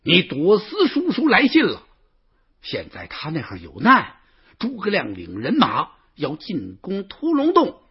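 A man doing a gruff old chieftain father. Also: wildly swooping pitch, measured pace, heavily acted. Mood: grumbling. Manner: grumbling, low and scolding. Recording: dull lo-fi recording.

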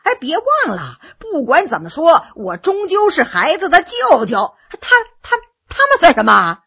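A man's voice: very high-pitched, huge pitch swings, measured pace, pushed and bright, dull audio, exaggerated voice. A woman doing a stammering sly scoundrel. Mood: evasive. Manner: stammering, evasive. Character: sly scheming brother-in-law, cornered and lying.

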